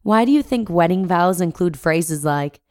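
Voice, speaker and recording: A woman hosts a podcast and reads a post aloud in a lowish voice. She sounds a bit congested from a cold, with friendly, chatty asides. Her voice is dry and close to the mic. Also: animated, normal speed, darkish tone, no echo. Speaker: podcast host and narrator. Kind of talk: reading a blog post aloud.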